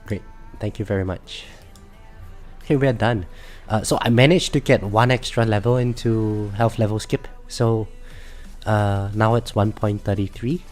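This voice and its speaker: A man's voice: on the low side, normal speed. A man with a cold and a stuffed-up nose, sounding nasal as he chats casually on a live game stream, hesitating and correcting himself often. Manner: relaxed, hesitant with many fillers and self-corrections. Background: faint background music.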